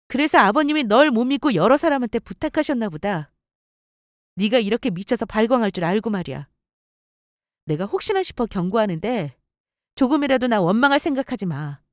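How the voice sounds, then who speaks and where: Composed, cutting wife in a story radio drama, voiced by a woman. Her voice sits a little high and sounds dry and close. Every sentence carries cool mockery. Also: dry recording. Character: calm, cutting wife who takes over company. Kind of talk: story radio role-play.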